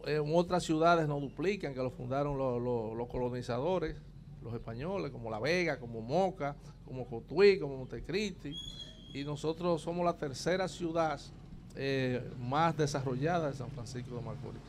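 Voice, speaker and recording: A man's voice: medium pitch, moderate pace, a little hiss or hum. A Dominican man in his sixties, a guest on an outdoor morning TV panel, talking proudly and emphatically into a handheld mic. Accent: Dominican Spanish. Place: outdoor street set with murals.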